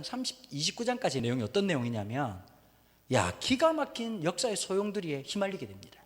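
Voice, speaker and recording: A man preaching a sermon as a pastor, in an animated, joking storytelling manner. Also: sits high, big-room sound. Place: church sanctuary.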